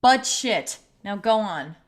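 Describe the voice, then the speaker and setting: A woman playing a crude junior high bully in a script read, blunt and threatening. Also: expressive, slow pace. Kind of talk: table read of a film script.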